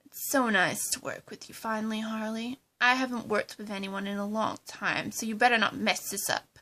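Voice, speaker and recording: A woman voicing a scheming female supervillain in a fan roleplay, talking slowly and condescendingly and dropping into menacing whispers. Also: mid-range voice, steady tone, bright, forceful tone, natural voice. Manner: slow, condescending, drops into menacing whispers, calls everyone darling.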